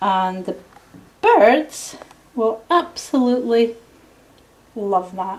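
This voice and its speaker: A woman with a Scottish accent over noticeable background noise. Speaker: home video maker. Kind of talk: tutorial. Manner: casual.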